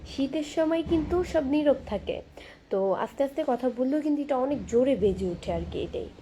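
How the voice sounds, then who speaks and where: A young woman hosting a casual live stream from her phone, reading viewer comments aloud and chatting back in a soft, quiet voice. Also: high voice, expressive, a little hiss or hum. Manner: soft-spoken, talking quietly and slowly. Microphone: phone camera.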